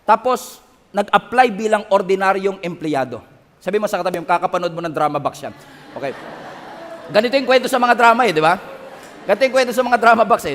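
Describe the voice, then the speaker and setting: A man preaching a sermon, switching between Tagalog and English, often asking the crowd for an amen. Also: sits high. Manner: Taglish preaching, animated, calls for amens. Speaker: pastor. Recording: long reverb of a hall.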